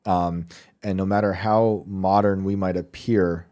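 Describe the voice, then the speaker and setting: A man's voice: sits low, fairly even intonation, unhurried, warm tone. A man hosting a call-in podcast, chatting casually, thinking aloud with fillers and frequent laughs. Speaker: podcast host. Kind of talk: casual call-in show chat.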